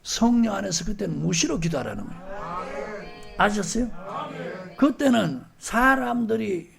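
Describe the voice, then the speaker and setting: A middle-aged man preaching a sermon as pastor, often rising to shouted emphasis and putting questions to the congregation. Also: high voice, sing-song, moderate pace, vocal fry, soft background music.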